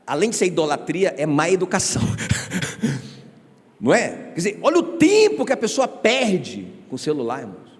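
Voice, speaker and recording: A male pastor preaching a sermon in an animated, conversational way, full of rhetorical questions and joking asides, in a church sanctuary. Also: on the high side, normal speed. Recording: reverberant church hall.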